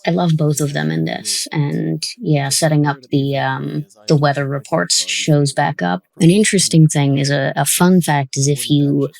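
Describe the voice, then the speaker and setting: A host with a mid-range voice full of vocal fry talks casually about making an audio drama. The delivery is conversational commentary. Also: mid-range voice, steady tone, normal speed, hardly any pauses.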